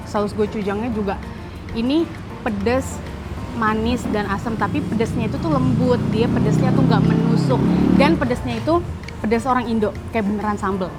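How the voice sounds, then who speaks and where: A young Indonesian woman hosts a casual food vlog, chatting in slang as she interviews a cook and tastes the dishes outdoors. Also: fairly high pitch. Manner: chatty, slangy, lots of agreeing murmurs. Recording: music playing behind.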